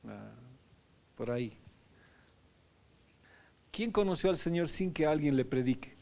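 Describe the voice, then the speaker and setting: A man's voice: a little high, expressive, measured pace, creaky, mellow. A man, a pastor, teaching a Bible lesson in a conversational sermon, often asking his listeners questions and adding tag questions.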